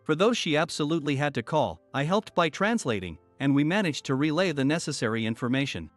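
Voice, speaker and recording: Lively-pitched male story narrator. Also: a little fast. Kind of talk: first-person story narration. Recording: soft music bed under voice.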